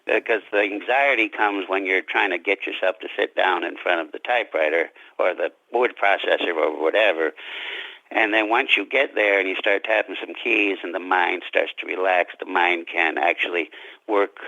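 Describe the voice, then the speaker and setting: A man being interviewed as a writer, talking reflectively about his craft in deliberate, halting phrases. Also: low-pitched, pushed and bright, no room sound, muffled recording.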